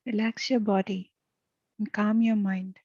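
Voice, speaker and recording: A woman leading a guided meditation as a teacher, speaking softly and soothingly with long pauses. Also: mid-range voice, flat delivery, no room sound, muffled recording. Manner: soft, gentle, soothing delivery with long pauses.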